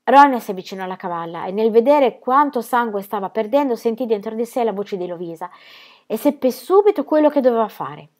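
Expressive woman reading a storybook. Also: on the high side. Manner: expressive, measured, with dips into hushed sadness. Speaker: narrator.

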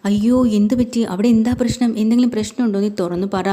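A woman voicing a brisk middle-aged mother who scolds her daughter but reassures her. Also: medium pitch, dark tone, close to an everyday voice.

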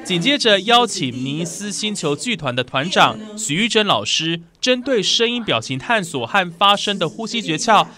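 A woman's voice: on the low side, big pitch swings, normal speed, hardly any pauses, sharp tone. A woman with a Taiwanese Mandarin accent reading scripted news narration as a reporter.

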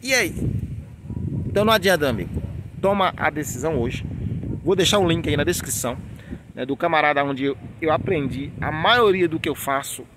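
A man's voice: a little high, a little fast, noisy background. A man with a Brazilian Portuguese accent, a portrait artist giving an emphatic motivational talk straight to the camera, full of rhetorical questions. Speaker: portrait artist and channel host.

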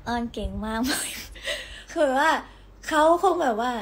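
A young woman hosting a casual livestream from home, telling stories in a chatty, giggly, animated way. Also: high-pitched, unhurried, slight background noise. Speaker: idol livestream host.

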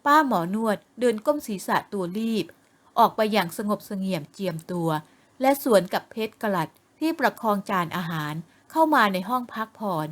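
A woman narrating an audio novel with lively, expressive storytelling. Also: medium pitch, normal speed.

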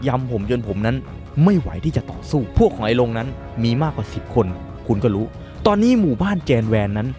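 A man telling a dramatic first-person story in colloquial speech, emphatic and suspenseful. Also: mid-range voice.

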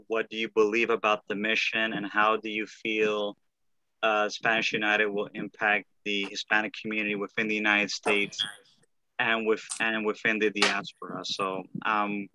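A man hosting an online group podcast, talking in a halting way with lots of fillers and restarts. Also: on the low side, bright, forceful tone, slight background noise, poor audio. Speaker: podcast host and founder. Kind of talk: casual online group call.

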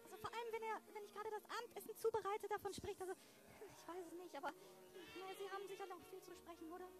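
A woman's voice: extremely high pitch, level tone, fast talker, over music. A woman playing a polite, faintly put-upon wife and hostess in an improvised audio drama. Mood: polite reproach.

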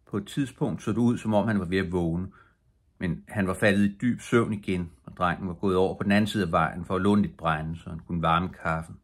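Reading a bedtime story for an audiobook, an older man keeps his delivery calm and steady. His voice is very low and husky, and his pace stays even line after line.

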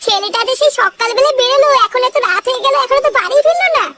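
A voice actor playing a worried village mother in a cartoon, shrill and insistent with her husband. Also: expressive, fast, background noise. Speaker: cartoon character.

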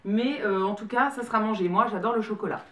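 A young French woman in her twenties chatting excitedly as she unboxes a gift parcel for her vlog. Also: mid-range voice, recorded from a distance. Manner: chatty and excitable, quick bursts of delight. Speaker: beauty vlogger. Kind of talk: casual unboxing chat. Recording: roomy sound from away from the mic.

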